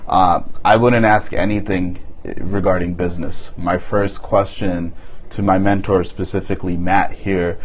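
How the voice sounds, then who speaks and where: Young man with a deep bass voice. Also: flat delivery, slight background noise. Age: young adult. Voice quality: bass in his voice. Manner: earnest, halting with fillers. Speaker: guest, insurance agent. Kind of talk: casual interview talk.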